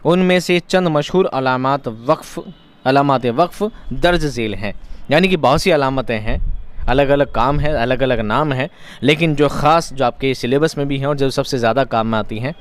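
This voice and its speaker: A man's voice: medium pitch, moderate pace, clear, resonant tone. A man teaching an exam-prep lesson, explaining each point by repeating it in other words and asking rhetorical questions.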